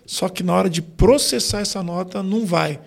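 Gravelly high-voiced Brazilian man explaining. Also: normal speed. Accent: Brazilian Portuguese. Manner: explanatory, many fillers like "né" and "tipo". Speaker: gospel singer and vocal coach. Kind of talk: podcast interview.

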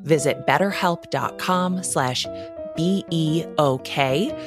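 Low-voiced woman hosting over music. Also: slow. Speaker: podcast host. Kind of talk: host intro and ad read. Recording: studio read over clear music.

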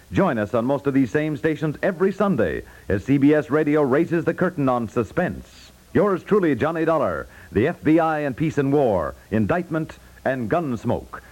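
A man's voice: medium pitch, darkish tone. A man announcing in polished, emphatic 1950s radio style, reading scripted promotions and credits. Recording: 1950s network radio broadcast.

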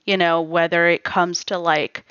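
A woman's voice: lowish voice, flat delivery, a little slow, a bit bright, smooth, no echo, highs cut off. A woman in a casual interview, talking reflectively about her family and peppering her speech with "you know" and "like.". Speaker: guest. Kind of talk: casual personal conversation.

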